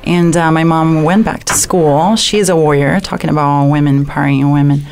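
A woman's voice: deep voice, steady tone, brisk, darkish tone. A woman from Brazil with a Brazilian Portuguese accent, a guest on a radio show, telling her story casually with many fillers and restarts.

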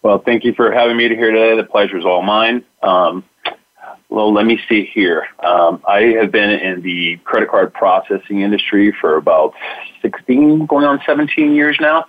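A man from Florida, a sales executive answering interview questions in a relaxed, conversational way. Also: fairly low pitch, normal speed, narrow, tinny audio. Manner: relaxed, conversational, many fillers.

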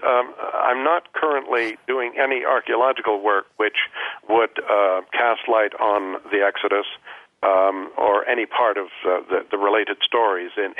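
A man with a lowish voice talks over a tinny phone line, halting and full of ums as he thinks aloud. The sound is dry and close, as a guest on a radio call-in. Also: no room sound. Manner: hesitant, many ums and restarts. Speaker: guest Egyptologist. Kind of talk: casual radio interview. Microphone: telephone.

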